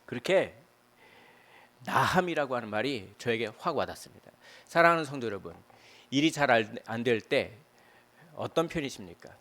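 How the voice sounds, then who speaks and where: A male pastor preaching a Sunday sermon in a church, chatty and animated, with many fillers and rhetorical questions. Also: medium pitch, normal speed. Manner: animated, piling up emotional verbs. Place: church sanctuary.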